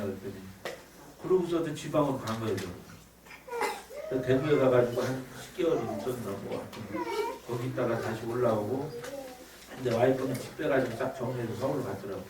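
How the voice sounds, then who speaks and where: A man telling his life story as a spoken church testimony, acting out what he said and felt back then. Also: medium pitch. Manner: animated storytelling, acts out his own past outbursts. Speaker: evangelist giving testimony. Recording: echoey room, distant mic, noisy.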